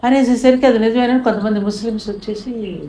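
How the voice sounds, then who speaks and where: A woman's voice: a little high, steady tone, fast talker, dark tone, reverberant, a little hiss or hum, rough recording. An older woman from India, telling a story in an interview with a passionate, emphatic manner. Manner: impassioned, rising to emphatic peaks. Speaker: guest speaker.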